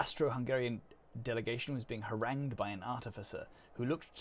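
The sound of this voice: The clip features an unforced reading voice.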